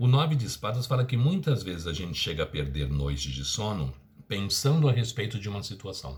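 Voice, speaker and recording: Using vocal fry, a man speaks at a fairly quick pace in a fairly low pitch, his pitch swinging very widely. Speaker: tarot reader. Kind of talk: tarot reading to camera. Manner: fast.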